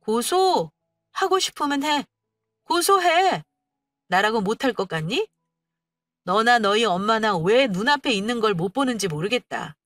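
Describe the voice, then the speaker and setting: 여성이 재연하는 당찬 젊은 아내가 날카롭게 맞받아칩니다. 목소리가 약간 높고 억양이 크게 움직이며, 음악이 깔린 건조한 녹음입니다. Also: female voice, fairly high pitch, big pitch swings, measured pace, no room sound, soft background music. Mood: furious retorts. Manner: sharp, cutting retorts. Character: fierce young wife fighting back.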